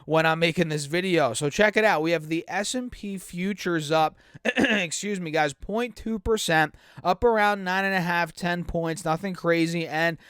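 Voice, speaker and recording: A man's voice: on the high side, moderate pace, fairly bright tone, clear, resonant tone, no echo, studio quality. A man with a stuffy nose from allergies, chatting casually to viewers about the stock market, upbeat and full of fillers. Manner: upbeat, addresses viewers as guys, many fillers. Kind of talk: casual market analysis to camera.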